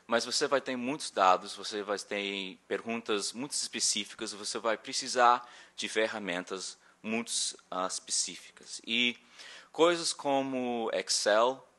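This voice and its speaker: A man in his thirties with an American accent gives a talk from a conference table. His voice sits low but carries a bright, forward edge. He stops often to search for words and makes light of his own slips. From born in Rio, raised in Chicago. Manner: halting, searching for words, self-deprecating. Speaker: conference speaker. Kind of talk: conference presentation. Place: conference hall. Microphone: table microphone.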